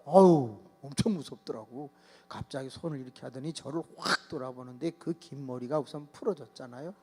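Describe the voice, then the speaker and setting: A male pastor delivering a sermon, telling stories with lively energy and acting out children's voices and shouts. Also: medium pitch, a little fast, breathy edge. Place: church sanctuary. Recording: long hall reverb with mains hum.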